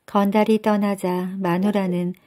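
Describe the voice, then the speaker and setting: Brief: woman storyteller, calm bedtime folktale narration, mellow warm tone. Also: medium pitch, measured pace.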